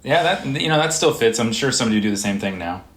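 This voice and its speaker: A man co-hosting a casual podcast, telling stories in a relaxed, rambling way. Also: medium pitch, quick pace, roomy sound. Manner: relaxed, rambling storytelling with fillers. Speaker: podcast co-host. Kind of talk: casual chat.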